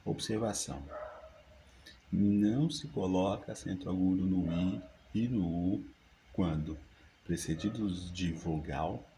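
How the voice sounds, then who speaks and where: A man, teaching a grammar lesson by reading rules and dictating example words slowly and deliberately. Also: sits low, dark tone, a little hiss or hum, poor audio. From Brazil.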